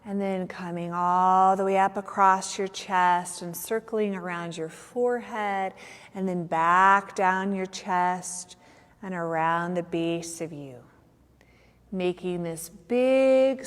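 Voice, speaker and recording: A woman guiding a meditation as a yoga nidra teacher, soothing and unhurried, with long pauses between phrases. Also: on the low side, fairly even intonation. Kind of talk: guided meditation. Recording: long reverberant hall-like echo.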